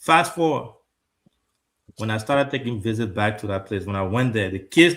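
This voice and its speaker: With a Liberian accent, a man speaks at a moderate pace with lively intonation. The recording is very clean, with a silent background. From Liberia (Nimba). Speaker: talk show host. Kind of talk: panel discussion. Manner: halting, repeats words.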